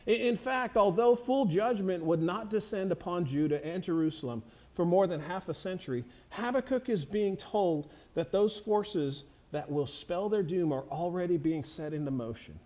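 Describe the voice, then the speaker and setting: A man's voice: high voice, moderate pace, hardly any pauses, dark tone, rough recording. A man preaching a sermon in a church, earnest and emphatic, asking the congregation rhetorical questions. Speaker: pastor. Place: church sanctuary.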